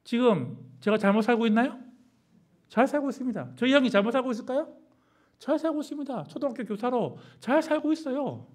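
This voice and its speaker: A middle-aged male pastor preaching a sermon, asking the congregation constant questions and swinging from hushed lines to loud exclamations. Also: very high-pitched, animated, a little fast. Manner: call-and-response preaching with many questions to the congregation.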